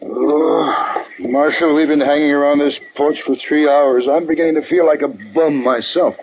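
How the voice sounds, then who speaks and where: A man's voice: fairly high pitch, moderate pace, natural voice. An actor playing an eager, earnest man who wants to become a frontier marshal, in a 1950s radio drama. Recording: dull old radio broadcast, faint hiss.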